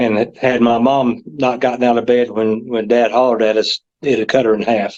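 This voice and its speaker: A man with an Appalachian accent, medium in pitch, monotone and flat, with very even loudness at a fairly quick pace. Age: 60s. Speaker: tornado survivor. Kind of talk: interview testimony. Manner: halting.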